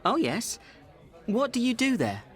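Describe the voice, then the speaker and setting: A man voicing an adult man who asks slow, clear questions with a falling tone at the end. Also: extremely high pitch, huge pitch swings, a bit bright, pitched above the performer's own voice, exaggerated voice. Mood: friendly. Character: adult man named Jake, friendly questioner.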